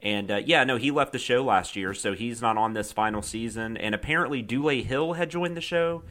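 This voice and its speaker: Male podcast co-host, bright tense tone, friendly and relaxed delivery. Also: medium pitch, a little fast. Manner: friendly, supportive, rambling with fillers. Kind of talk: casual podcast chat.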